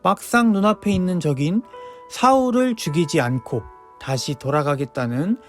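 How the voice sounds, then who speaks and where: A man preacher telling a Bible story to children in a gentle, lively storytelling way. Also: a little high, normal speed, faint music behind.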